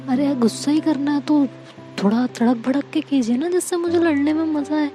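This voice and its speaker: A woman voicing Anika, a sharp-tongued young woman who is quick to argue. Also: high voice, fairly even intonation, faint music behind, pitched above the performer's own voice, close to an everyday voice. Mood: teasing.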